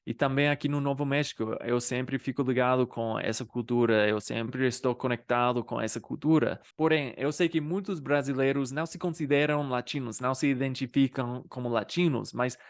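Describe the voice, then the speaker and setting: Casting: young American man, English-native learner accent, laid-back explainer voice at mid pitch, dry close sound. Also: moderate pace, hardly any pauses, dry recording. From United States. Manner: relaxed and conversational, many filler tags. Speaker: language channel host. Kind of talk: casual explainer talking to camera. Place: home in the United States.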